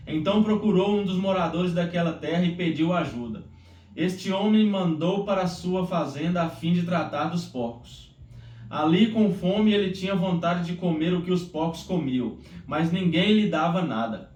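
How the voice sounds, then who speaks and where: A man's voice: sits high, normal speed, darkish tone. A Brazilian man speaking earnestly and devoutly, hosting a devotional of prayer and scripture reading aloud. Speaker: Bible reading host. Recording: roomy echo, distant mic, faint noise.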